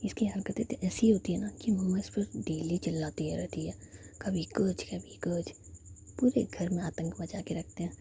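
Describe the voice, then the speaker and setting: A woman's voice: lowish voice, steady tone, moderate pace, creaky, dark tone, a little hiss or hum. A woman voicing a chatty younger sister who gossips in a whisper. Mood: gossipy.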